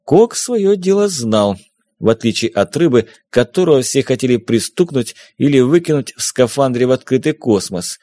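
A man reads an audiobook with expressive storytelling, his pitch rising and falling widely through each sentence. The voice sits mid-range, and the recording is dry and close, with no room echo. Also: moderate pace. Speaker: audiobook narrator. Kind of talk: scripted narration.

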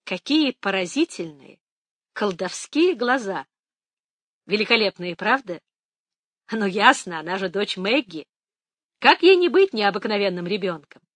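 A woman voicing a frank, warm-hearted middle-aged woman in an audiobook, direct and gently teasing. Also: medium pitch, big pitch swings, unhurried, pauses often, no echo. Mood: candid. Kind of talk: audiobook reading.

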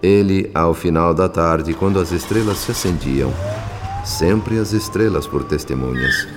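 A man with a Brazilian accent narrating a radio soap as a solemn witness, grave, theatrical and measured. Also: deep voice, a little hiss or hum. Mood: grave, wistful. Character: solemn male spirit narrator recounting a tragedy.

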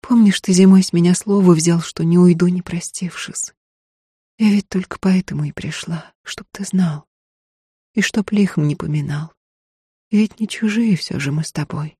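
A woman reading an audiobook voices a resolute, tender young woman singer who speaks softly and quietly. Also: on the low side, moderate pace, husky, no room sound, studio quality. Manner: soft, quiet, restrained.

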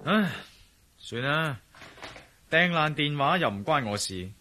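A man's voice: on the high side, lively intonation, takes it slowly, sharp tone, a little hiss or hum, full character voice. An actor in a Cantonese radio drama playing a wry, level-headed adventurer who mutters his thoughts aloud, with a Cantonese accent. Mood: musing. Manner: wry, muttering inner monologue. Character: wry, cool-headed male adventurer hero. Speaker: lead and narrator of his own thoughts.

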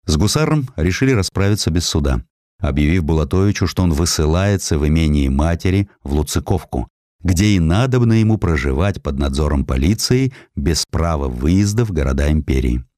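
Deep-voiced man narrating history, very animated. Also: brisk, no room sound, studio quality. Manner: expressive storytelling, acting out quoted speech. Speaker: audiobook narrator. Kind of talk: scripted dramatic narration of a historical sketch.

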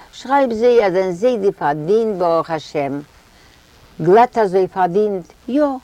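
A storyteller reading a story aloud at an unhurried pace, voicing the characters' dialogue. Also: medium pitch, dark tone, dry recording.

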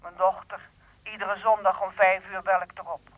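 A woman's voice: mid-range voice, level tone, moderate pace, no echo, close to an everyday voice. Radio play role: anxious, irritable old mother played by a woman, impatient and complaining, dry muffled vintage sound. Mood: anxious, defensive. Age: older. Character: anxious, irritable elderly mother with aching legs. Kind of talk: radio drama acting.

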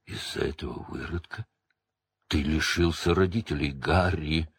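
Brief: male narrator plays a seething wizard, low and rough, quiet menace. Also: unhurried, no echo, exaggerated voice. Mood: grim. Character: furious, bitter escaped wizard, adult man.

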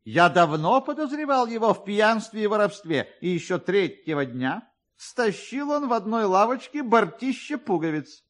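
A man performs a short-sighted police officer for a radio story. The voice is raised high and very animated. He is obsequious and rambling, always hinting at a favour. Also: normal speed. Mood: reassuring, officious.

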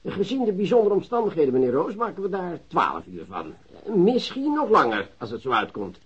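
A sly police commissioner in a radio drama. His voice is fairly high and husky, swinging widely in pitch as he feigns politeness. The recording is slightly dull. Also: wildly swooping pitch, exaggerated voice. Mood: insinuating. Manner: unhurried, hesitant, falsely polite. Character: sly, mock-courteous police commissioner interrogating a suspect. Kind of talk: Dutch radio play acting.

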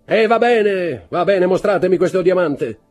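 A man's voice: high-pitched, unhurried, soft background music, voice pushed up. A man doing a cool, cunning jeweller. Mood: shrewd. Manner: calm, cool, calculating, sometimes murmuring. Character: shrewd, cunning male jeweller.

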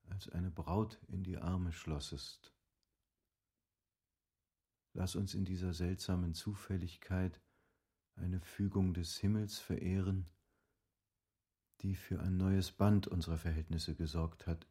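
A man playing a grave nobleman in a literary radio drama, reading his wife's intimate letter in a measured, solemn way. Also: deep voice, warm tone, breathy edge, full character voice.

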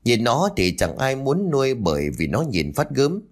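A man's voice: medium pitch, wildly swooping pitch, normal speed. A man narrating a scripted story dramatically.

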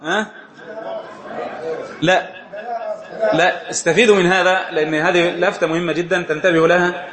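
A man's voice: sits high, steady tone, normal speed, long pauses, crowd noise. A man with an Egyptian Arabic accent teaching an informal religious lesson, often quizzing his listeners and laughing as he explains. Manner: questioning the audience, laughing often. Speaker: sheikh teaching a religious study circle. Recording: echoey room.

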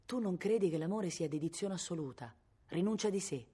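A woman's voice: on the low side, expressive, fairly quick, mellow, breathy edge. A woman reading aloud, voicing a haughty, capricious young noblewoman who sounds cool and teasing. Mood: cold.

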